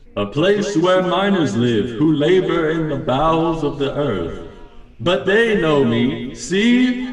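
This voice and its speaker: Delivered at a fairly slow pace, a put-on character voice rings with clear echo. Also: man, fairly high pitch for a man. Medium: audio drama. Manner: grave, authoritative.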